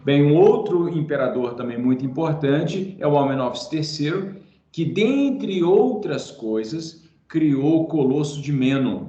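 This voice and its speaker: A man's voice: medium pitch, darkish tone, roomy sound, highs cut off. A male history teacher giving an online class, explaining patiently with playful asides to his students.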